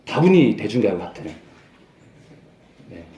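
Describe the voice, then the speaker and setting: A man's voice: sing-song, unhurried, warm tone, slight background noise. Emphatic male pastor in an echoey hall. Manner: emphatic, repeats phrases and rises in pitch to stress points. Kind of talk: sermon.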